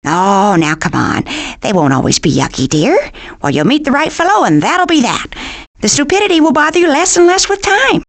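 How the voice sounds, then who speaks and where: Sweet fretful cartoon porcupine mom, upper midwest accent, super swoopy folksy voice. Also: female voice, sits high, sing-song, normal speed. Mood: doting. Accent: Upper Midwestern American. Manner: folksy, fussing, nurturing. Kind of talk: animated video game character acting.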